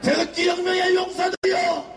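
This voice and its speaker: A man giving a fiery shouted speech at an outdoor political rally, chanting slogans to the crowd. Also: very high-pitched, flat delivery, normal speed. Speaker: rally speaker. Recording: echoey outdoor PA with crowd noise.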